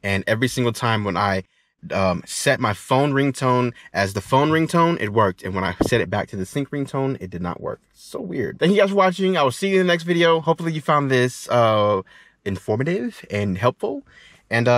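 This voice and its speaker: Guy doing casual tech tutorial, lively pitch, dry close sound, repeats himself for emphasis. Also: fairly quick, no echo. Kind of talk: casual how-to demonstration talk. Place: inside a car.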